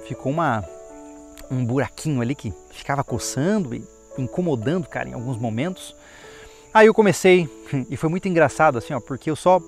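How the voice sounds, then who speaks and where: A man sharing a personal conversion testimony in a casual, rambling way, often restarting and thinking aloud, with an earnest, emotional tone. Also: fairly high pitch. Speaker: testimony speaker. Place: outdoors, insects and a plane audible.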